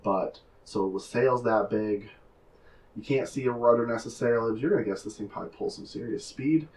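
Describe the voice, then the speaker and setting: A man running a tabletop game as game master, describing scenes with many pauses and fillers. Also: medium pitch, a little mellow, recorded from a distance, poor audio. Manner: hesitant, filler-heavy describing.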